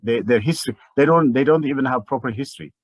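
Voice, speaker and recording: An older man from Ethiopia with an Ethiopian accent, giving impassioned interview commentary in a halting, repetitive, emphatic way. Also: medium pitch, no echo.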